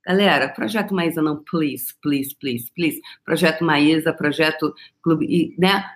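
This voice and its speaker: A woman's voice: deep voice, unhurried. A woman hosting a motivational podcast on energy cleansing. She talks to her listeners in a playful, theatrical way, full of rhetorical questions.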